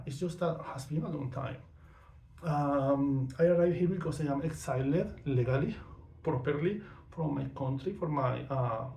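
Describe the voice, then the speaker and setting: Gravelly-voiced Venezuelan-accented man. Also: on the high side, warm tone, echoey room. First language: not English or Spanish. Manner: outspoken, frank, with frequent fillers. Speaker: vlogger. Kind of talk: casual personal monologue.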